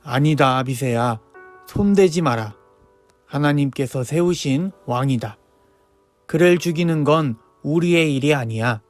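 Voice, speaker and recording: A man voicing a calm, firm leader who forbids his soldier to kill, for a children's Bible story. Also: fairly high pitch, a little slow, no room sound, soft background music, close to an everyday voice. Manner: firm, commanding. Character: calm firm male leader refusing revenge.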